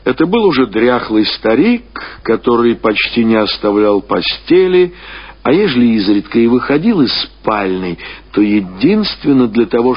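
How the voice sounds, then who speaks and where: A man reading classic literary prose as a radio narrator, in a measured, expressive storytelling manner with deliberate phrasing. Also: mid-range voice, husky. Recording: dull lo-fi radio recording.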